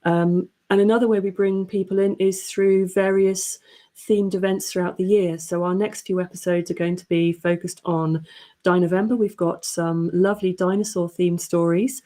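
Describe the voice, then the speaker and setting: Mellow, lower-voiced woman on a panel. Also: flat delivery, normal speed. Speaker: podcast editor, panelist. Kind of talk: considered panel discussion talk.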